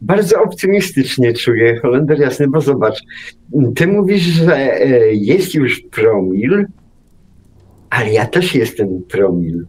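A man's voice: mid-range voice, very animated, takes it slowly, darkish tone, a little hiss or hum. A man co-hosting a talk show, debating casually in a hesitant way and often repeating his words. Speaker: radio show co-host.

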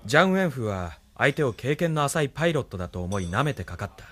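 A proud, driven young pilot officer in an anime radio drama. His delivery is blunt and clipped, and his voice rises and falls with lively intonation over a faint hiss. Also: medium pitch, quick pace. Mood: resolute. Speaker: military pilot, lieutenant.

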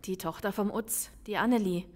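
A woman acts out a police lieutenant in a crime audio drama. She is informal and reassuring with her colleagues, in an everyday voice of medium pitch. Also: moderate pace, darkish tone, lightly acted. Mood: conversational.

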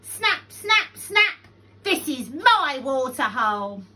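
Storybook crocodile villain, male bully, high and swooping, taunting and snappish played by a woman. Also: big pitch swings, slow pace, pushed and bright, recorded from a distance, heavily acted. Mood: snappish, gloating. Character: bullying, sneering male crocodile hogging a water hole. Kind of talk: animal storybook narration.

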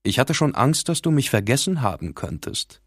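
A man's voice: medium pitch, sing-song, normal speed, slightly rough, no room sound, studio quality, voice pushed up. A man doing a smug, mocking rival. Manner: taunting, with mock surprise. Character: smug, mocking male rival, a vain show-off.

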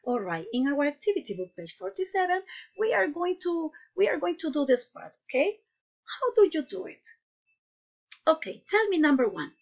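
A woman's voice: high voice, very animated, normal speed, lo-fi sound. A woman teaching English to young children in a patient way, asking questions and praising each answer. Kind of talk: online class lesson.

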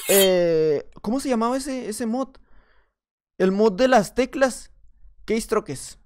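A man's voice: high voice, slow pace. Mexican man, gaming creator, talks through his own play in a loose, chatty way, laughs at himself. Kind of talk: casual gameplay commentary.

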